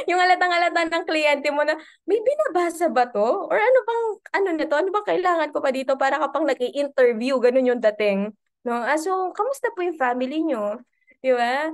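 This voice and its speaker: Filipino woman mentor, high voice, animated video-call coaching. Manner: animated, code-switching, asks many tag questions. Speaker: business mentor. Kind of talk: online training talk.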